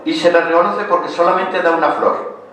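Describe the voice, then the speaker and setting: A man's voice: a little high, steady tone, a little fast, fairly bright tone, a little hiss or hum. An older man from Spain with a Castilian accent gives an informal lecture, colloquial and didactic, putting questions to his listeners. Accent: Castilian Spanish. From Spain, raised in Asturias. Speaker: lecturer and author on medicinal plants. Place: echoing lecture room at a cultural center. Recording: very echoey hall, distant microphone.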